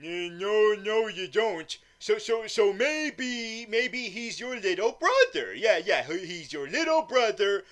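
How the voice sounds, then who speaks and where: A man's voice: high-pitched, very animated, slow, few pauses, a bit bright, heavily acted. A man voicing a nervous, lesser-known supervillain interviewer who stammers, repeats words and rambles. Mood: flustered. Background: background music.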